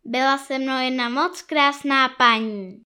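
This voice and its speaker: A woman voicing a small, joyful girl, the daughter of a knight, with an excited, exclaiming child's voice. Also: high-pitched, clear, resonant tone, voice pushed up. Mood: earnest.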